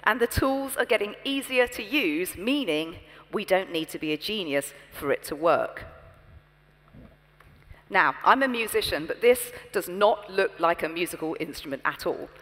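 A young British woman giving a scripted keynote on a large conference stage, poised and expressive, through a headset mic. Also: fairly low pitch, normal speed. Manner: poised, expressive, storytelling delivery. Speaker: keynote speaker. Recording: long reverb from a large hall.

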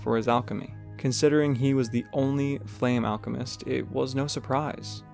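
A man's voice: medium pitch, fairly even intonation, moderate pace, vocal fry, a little mellow, faint music behind. A man reading scripted story narration for an audio drama.

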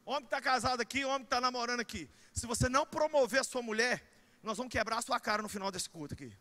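A middle-aged Brazilian pastor preaching in church, his voice pitched unusually high and ringing bright. He swings into shouts and joking asides as he drives the sermon forward. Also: fast. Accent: Brazilian Portuguese.

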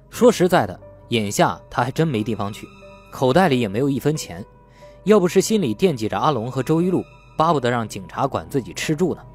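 A man's voice: mid-range voice, a little mellow. A man reading scripted, dramatic story narration as an audiobook narrator.

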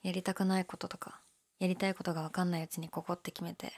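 A young woman playing a laid-back, shyly candid gyaru convenience-store clerk in an audio drama, with a breathy, hesitant, mumbled delivery. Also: flat delivery, quick pace, a little mellow. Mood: low-key, candid. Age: young adult. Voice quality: low, breathy. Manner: listless, hesitant, mumbled casual polite speech. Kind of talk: male-oriented situation voice drama, casual chat.

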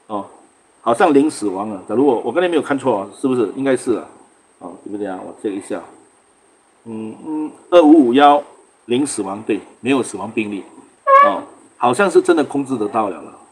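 A man's voice: medium pitch, a little hiss or hum. A man from Singapore hosting a casual livestream, chatting loosely, greeting viewers by name and laughing often. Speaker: livestream host.

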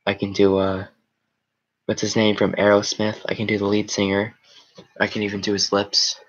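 A man's voice: on the low side, monotone, moderate pace, a bit bright, dull audio. A teenage boy wearing a headset, casually rambling through his live chat in a small room with a green backdrop. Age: teens. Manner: rambling, chatty, reacting to comments. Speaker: livestream host reading chat.

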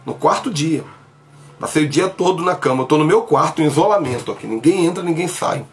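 A man's voice: fairly high pitch, expressive, fairly quick. A man preaching on a live stream from a small bedroom, emphatic and talking straight to his viewers through a phone camera while sick with covid. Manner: emphatic, gestures broadly, speaks to viewers directly. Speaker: pastor. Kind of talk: livestream preaching. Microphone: phone camera at arm's length.

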